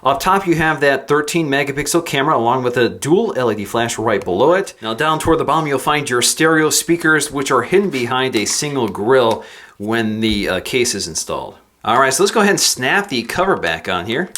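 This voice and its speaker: A man reviewing tech, calmly explaining each step of a phone unboxing as he goes. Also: mid-range voice, fairly quick. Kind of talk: product unboxing walkthrough.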